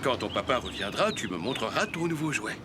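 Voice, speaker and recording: A man's voice: medium pitch, very animated, brisk, background noise, lightly acted. A man voicing a cheerful, kindly grandfather in a French children's cartoon. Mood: reassuring. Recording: loud music bed behind the voice.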